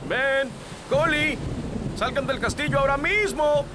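A man's voice: very high voice, a little slow, background noise. A man voicing a jolly, fussy elf father in a Latin American Spanish cartoon dub. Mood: urgent. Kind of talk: children's cartoon dub acting.

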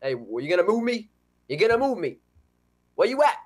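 The harbor waves come across as a pushy street tough with a thick New York accent, as a man plays them. He talks fast, demanding to be moved. His voice is a touch high for a man. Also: big pitch swings, darkish tone. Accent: put-on New York. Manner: brash, pushy street talk.

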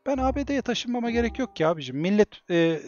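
A man in his forties chatting bluntly while playing a game, swearing freely and breaking into excited shouts. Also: very high-pitched, fast talker, muffled recording. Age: 40s. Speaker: gaming streamer. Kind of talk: casual gameplay commentary.

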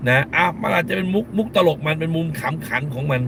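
A man's voice: a little high, expressive, quick pace, vocal fry, background noise. A middle-aged man, a lawyer hosting a live stream, talks bluntly in casual commentary and scolds with crude slang, repeating phrases for emphasis.

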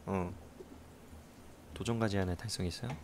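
A man's voice: sits low, fairly even intonation, normal speed, gravelly, background noise. A man giving casual, jokey commentary while playing a horror game, exclaiming and swearing at scares. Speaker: game streamer.

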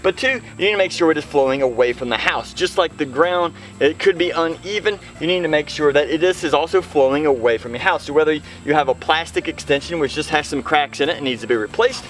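The recording quality is low, capturing a fairly high-pitched, fairly bright male voice that moves quickly with hardly any pauses. He's a middle-aged home improvement show host giving a plain-spoken how-to explanation to camera.

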